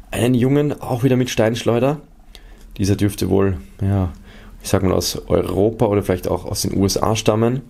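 A man's voice: on the low side, gravelly, a little mellow. A man hosting an unboxing video, casually and methodically describing items to viewers. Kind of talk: casual product showcase commentary to viewers.

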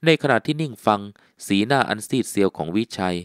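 A man narrating a literary novel as an audiobook, in a measured, even way. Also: lowish voice, dry recording, studio quality.

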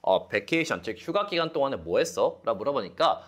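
A man's voice: mid-range voice, big pitch swings, a little fast. A young man teaching English phrases, explaining them animatedly and acting out sample dialogues.

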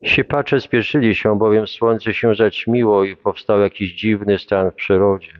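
A man reading a devotional Passion text aloud in a solemn, measured, reverent way. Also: fairly low pitch, fairly even intonation, no room sound, muffled recording.

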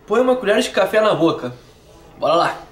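A young gaúcho YouTuber from Rio Grande do Sul, who makes gaming videos, fields fan questions in a wooded park, chatty and self-mocking with lots of filler tags. He sounds very animated and a little fast, his voice sitting high. He is recorded from a few feet away on a camera mic, with outdoor noise in the background.

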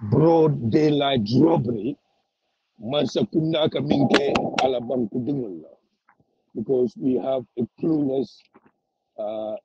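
Husky fervent male political commentator. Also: on the high side, lo-fi sound. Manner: fervent, repeats phrases for emphasis.

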